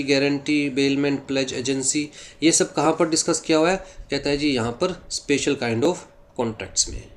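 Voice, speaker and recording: In a classroom lecture on law, a man with a fairly high voice slowly reads English passages in an Indian English accent. He then explains each point in mixed Hindi and English, asking questions and answering them himself.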